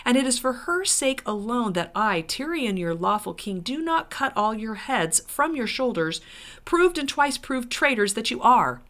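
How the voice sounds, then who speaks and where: A woman's voice: mid-range voice, animated, takes it slowly, vocal fry, few pauses, a bit bright, heavily acted. A woman voicing a stern, proud king in a storybook reading, with formal, archaic, commanding speech.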